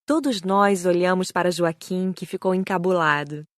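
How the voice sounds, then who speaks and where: A woman's voice: on the low side, steady tone, normal speed, no room sound, clean studio sound. A woman with a Brazilian accent reading a scripted first-person audiobook story. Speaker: audiobook narrator.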